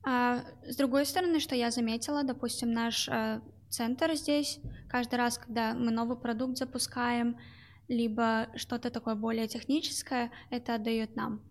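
A woman's voice: on the high side, steady tone, moderate pace. A young woman, a guest in an interview, describing her work at a call center, speaking with many hesitations and fillers. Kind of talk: interview answers.

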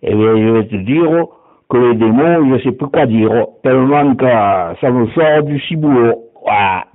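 A man's voice: mid-range voice, a little slow, lightly acted. A man putting on a brash Corsican man with a Corsican accent, talking in slangy, swaggering bursts. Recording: tinny phone-like sound.

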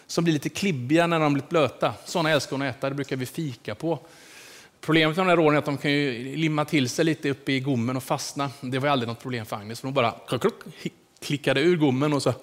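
A man giving a sermon, leading into his point with a personal story told in a loose, conversational way. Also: on the high side. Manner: storytelling, warm anecdotes, many fillers. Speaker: preacher. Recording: long echoey hall reverb.

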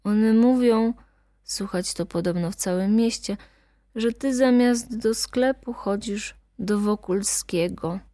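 A woman voicing an elderly, frightened mother who speaks in a hushed, pleading way. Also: medium pitch, slow pace, dry recording, clean studio sound, close to an everyday voice. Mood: tearful.

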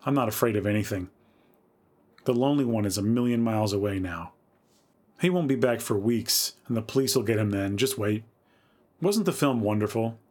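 A man's voice: lowish voice, animated, normal speed, long pauses, darkish tone. A man reading the part of a bold, thrill-seeking unmarried woman in her thirties in a dramatic story reading. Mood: carefree. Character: spirited thirty-three-year-old unmarried woman.

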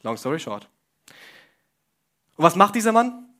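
A young man delivers a sermon in a relaxed, conversational way, pitched a little higher than most men. He keeps turning to his listeners with questions and wry jokes. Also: measured pace. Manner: casual, joking asides, questions to the audience. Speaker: preacher. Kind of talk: sermon to a congregation.

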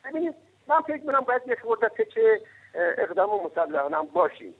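A man's voice: high-pitched, big pitch swings, breathy edge. An Iranian man calling in to a political talk show, speaking heatedly and insistently, pressing his point over a phone line. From Iran. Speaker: caller.

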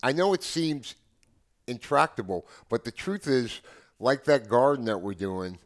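Man, seventies, American accent, medium pitch, casual conversation, earnest, halting with repeated words. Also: sing-song. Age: 70s. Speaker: podcast guest, house DJ.

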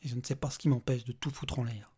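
A man voicing a desperate human father who shouts, curses and bursts out in anger in a husky voice. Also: mid-range voice, steady tone, quick pace. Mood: despairing rant. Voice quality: shouting, cursing, explosive. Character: volatile desperate human father, furious then broken.

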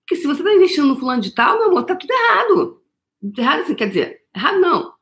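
Speaking in a high, sing-song voice with a fairly bright tone, this woman races along. She is a middle-aged motivational coach with a Brazilian Portuguese accent, giving an emphatic live talk where she often says "meu amor" and swears occasionally.

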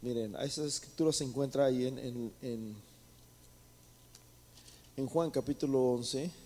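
A man's voice: medium pitch, a little slow, dark tone. A man preaching a sermon, rising to emphatic peaks and calling his listeners brothers. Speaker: pastor.

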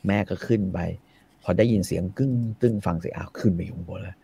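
A man retelling a classic Thai tale in casual, slangy chat, animated and reciting verse now and then. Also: sits low, fast, creaky, breathy edge. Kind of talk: casual comic retelling with acted quotes.

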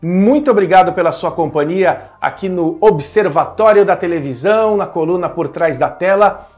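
A man with a Brazilian Portuguese accent giving direct, encouraging tips on speaking as a media columnist; his voice is not deep. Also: moderate pace, a little mellow, soft background music. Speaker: media columnist and communication coach. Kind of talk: instructional talk to camera.

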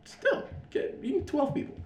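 An American man with a loud, carrying voice co-hosting a podcast, telling stories casually, swearing freely and acting out what people said. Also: normal speed. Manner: animated, profane, acts out reported dialogue. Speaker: podcast co-host. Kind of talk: casual storytelling banter. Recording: echoey room.

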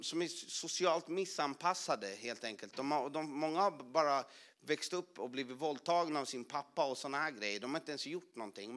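A man's voice: mid-range voice, fairly bright tone. A man preaching a passionate testimony, talking with many restarts and fillers. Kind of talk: emphatic sermon testimony.

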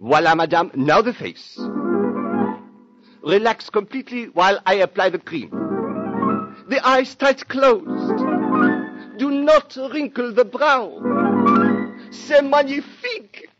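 An actor playing a fussy, effusive French beauty salon owner in an old radio drama, with a heavy French accent and flowery talk. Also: male voice, extremely high pitch, takes it slowly, pauses often. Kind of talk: 1940s radio acting. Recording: dull old radio recording with music.

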